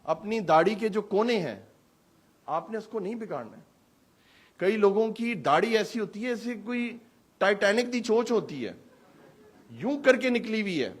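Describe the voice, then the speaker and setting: A man preaching a sermon to a church hall congregation, animated and full of rhetorical questions. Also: high-pitched, pauses often, breathy edge. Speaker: pastor.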